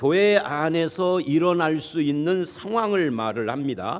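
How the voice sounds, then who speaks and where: Audible room echo surrounds a man who speaks very slowly with a fairly high pitch. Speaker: senior pastor. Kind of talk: sermon.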